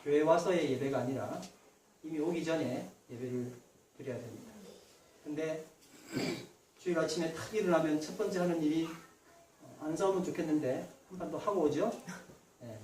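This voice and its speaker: A male pastor preaches a Sunday sermon in a church sanctuary, chatting with his congregation and quizzing them directly. His voice sits a touch high and carries a roomy echo. He stands somewhat back from the mic, over a faint hiss. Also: moderate pace, long pauses, darkish tone, recorded from a distance. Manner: conversational preaching, asks the congregation questions directly.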